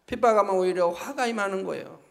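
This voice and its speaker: High-voiced man preaching in a reverberant hall. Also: fast, gravelly. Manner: emphatic preaching with repeated "이 말입니다" tags. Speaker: pastor. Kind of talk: sermon. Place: church sanctuary.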